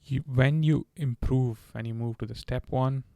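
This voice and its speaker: A man talks earnestly through his advice, now and then catching on a word and restarting. His voice has a gravelly, fry-edged texture and stays level in pitch, with little rise or fall. The sound is close and dry, with no room around it. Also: steady tone, moderate pace, mellow, dry recording. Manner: earnest, advice-giving, occasional stammers and restarts. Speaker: podcast host. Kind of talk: candid solo podcast talk.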